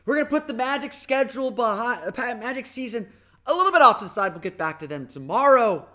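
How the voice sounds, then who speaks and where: A man hosting a casual sports podcast, talking energetically with a slightly raspy voice and frequent restarts. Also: very high-pitched, fast. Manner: energetic, rambling with restarts and fillers. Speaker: podcast host.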